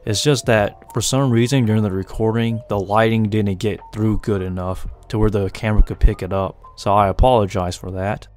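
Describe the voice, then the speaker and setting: A young American man with a deep voice and a slight Asian-tinged accent, giving relaxed, rambling, self-deprecating voice-over commentary for his hobby video. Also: normal speed, hardly any pauses. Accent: American, with an Asian lilt he notes himself. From United States. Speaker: tarantula breeder and channel host. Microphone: voice-over recorded separately from the pictured footage. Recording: voice-over with faint background music. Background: soft music underneath.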